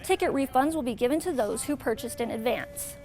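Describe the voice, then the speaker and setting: A woman's voice: high voice, expressive, fairly quick, darkish tone. A woman with an American accent reading a scripted sports newscast as the anchor.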